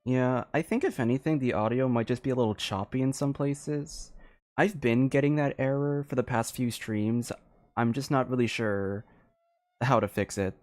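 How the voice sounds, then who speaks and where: A man livestreaming a game, chatting casually in a halting, rambling way into a close microphone. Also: mid-range voice, fairly even intonation, darkish tone, dry recording.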